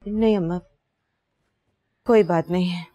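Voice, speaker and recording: A woman's voice: fairly low pitch, fairly even intonation, unhurried, warm tone, no room sound, close to an everyday voice. An actress playing a busy, bossy middle-aged mother in a TV drama, ordering people around with exasperation. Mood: defensive. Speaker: mother of the bride. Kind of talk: TV drama acting.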